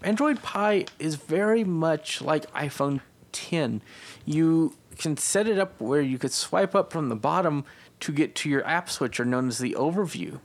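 Gravelly-voiced man hosting a tech chat. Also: a little high, a little slow. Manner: relaxed, explains at length, leads the discussion. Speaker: podcast co-host.

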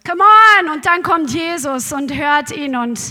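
A woman preaching a charismatic sermon, fervent and building to loud exhortation. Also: high-pitched, measured pace.

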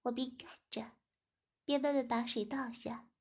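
A woman narrating a first-person story in a low-key, even reading voice. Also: normal speed, breathy edge. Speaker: story reader.

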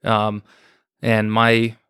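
A man in his forties from New York, a former fighter pilot telling his story as a guest in a casual interview, steady and modest, with many fillers. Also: fairly low pitch, drawn-out words, clean tone, no echo, studio quality. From United States, New York. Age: 40s.

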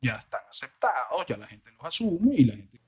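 A man answering interview questions on diction and accents in a lively, rambling way. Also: mid-range voice, moderate pace. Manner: animated, discursive, frequent "o sea" asides. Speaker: guest, voice and diction expert. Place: lives in the United States.

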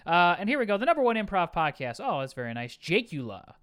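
A man co-hosting a podcast, reading listener reviews in a dry, casual way that trails off softly. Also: sits high, sing-song, fast, a crowd in the background. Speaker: podcast co-host.

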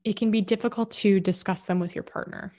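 A woman who talks about relationships and spirituality gives a candid, rambling casual monologue on relationships, often restarting her sentences. Her mid-range voice is steady, brisk and mellow.

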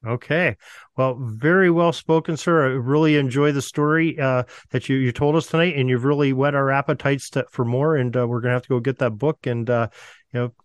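A man's voice: medium pitch, steady tone, fairly quick, clean tone, no room sound. A man hosting a podcast, chatting casually and in a friendly way with many fillers. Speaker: podcast host. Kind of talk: casual interview chat.

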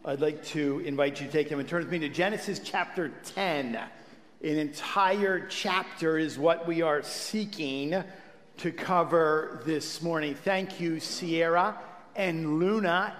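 A man's voice: fairly high pitch, measured pace. A man speaking as pastor to his congregation, welcoming them and leading a prayer. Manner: warm pastoral address with fillers and restarts. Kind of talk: church sermon introduction and prayer. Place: church sanctuary. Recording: church hall reverb.

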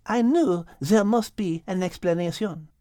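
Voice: mid-range voice, a little slow, warm tone, no echo, studio quality, voice pushed up, lightly acted. A performer voicing a clever, confident little female animal with a French accent, speaking precisely in an audiobook story. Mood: confident, explaining.

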